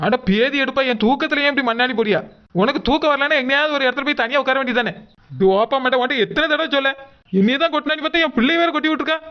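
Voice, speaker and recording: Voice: high-pitched, very fast, highs cut off. An actor voicing a bossy, suspicious cartoon mother who scolds and mutters. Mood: scolding. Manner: scolding, muttering, name-calling. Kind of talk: cartoon dub dialogue.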